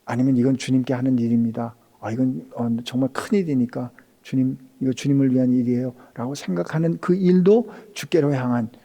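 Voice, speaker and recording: Speaking fairly quickly with few pauses, a male pastor delivers a sermon in a mid-range voice and a steady tone. He alternates between loud, emphatic stretches and quiet whispers, voicing quoted speech intimately.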